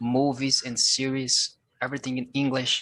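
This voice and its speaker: A man with a Portuguese accent speaks at a medium pitch and a fairly slow pace. His tone is bright and sharp, his intonation monotone and flat. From Brazil. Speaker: English learner. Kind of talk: interview. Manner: halting.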